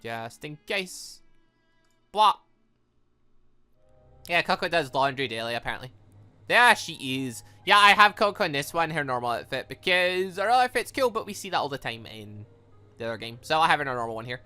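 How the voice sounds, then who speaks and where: A gaming video host giving casual let's play commentary, chatty, rambling and excitable, thinking aloud as they go. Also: mid-range voice, moderate pace, pauses often, faint music behind.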